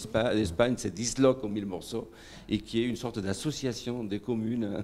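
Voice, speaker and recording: A man with a Catalan accent at a fairly quick pace, medium in pitch, with fairly even intonation. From Catalonia. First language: Catalan (speaking French). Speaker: psychologist and writer. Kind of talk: public talk. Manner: halting, many repetitions.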